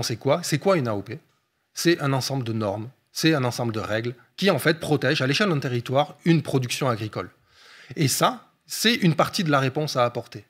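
Fast-talking man explaining in depth. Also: mid-range voice, a bit bright. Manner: fast, fluent explaining with frequent hesitation fillers. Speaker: economist guest. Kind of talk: explanatory panel discussion.

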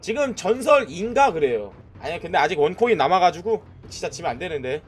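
High, excitable streamer man, husky. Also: brisk. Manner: excitable, shouting at enemies and cheering; trash-talking with frequent "nice" and "that's it". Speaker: game streamer. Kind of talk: live gameplay commentary.

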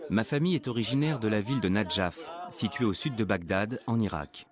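A man narrating a documentary as its presenter, in a measured, earnest storytelling manner. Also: lowish voice, heavy background noise. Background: background music.

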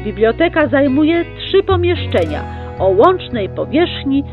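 High-voiced woman doing old-newsreel narration. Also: sing-song, narrow, tinny audio. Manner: brisk upbeat newsreel announcer delivery. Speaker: chronicle narrator. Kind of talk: mock 1960s newsreel narration. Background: plucked guitar music.

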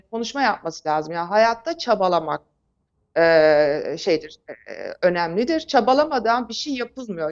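The recording is slightly dull and lo-fi. A woman with a fairly high voice speaks as an expert guest in an interview. She explains things haltingly, pausing often as she builds each point. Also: a little mellow. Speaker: expert guest, psychological counselor and psychotherapist.

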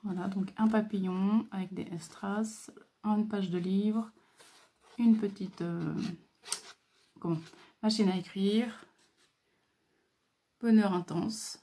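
A woman from France talks through her crafts in a casual show-and-tell, unhurried and full of fillers. Her voice is warm and mellow, never bright. She sounds soft and admiring, pausing often to find her words. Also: medium pitch, fairly even intonation. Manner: hesitant, many fillers and pauses. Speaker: craft video host.

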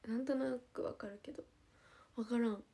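Young idol streamer, Nagoya accent, mellow higher voice, relaxed, soft trailing ends. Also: female voice, a little fast, breathy edge. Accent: Nagoya dialect. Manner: relaxed, chatty, trails off softly at phrase ends. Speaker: idol livestreamer. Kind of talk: casual livestream chat with viewers.

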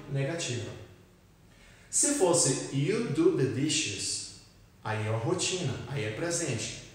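Male Brazilian teacher, patient explainer, slightly high voice, far from the mic in an echoey room. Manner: explains patiently, checks in with "beleza?". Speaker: English teacher. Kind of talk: recorded classroom lesson.

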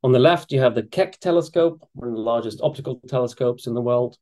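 A man's voice: medium pitch, fast talker, a little mellow. Swedish-raised man giving an eager space lecture. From Sweden. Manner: enthusiastic, conversational, with frequent restarts and fillers. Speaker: astrophysics lecturer. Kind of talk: public science lecture. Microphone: webcam or desk mic on a video call.

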